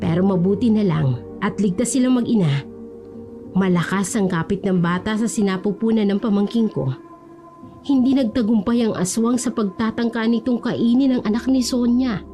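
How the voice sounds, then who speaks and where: A woman voicing an older village healer woman who gives calm, serious instructions. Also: mid-range voice, normal speed, soft background music, close to an everyday voice. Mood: grave. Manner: grave, instructing.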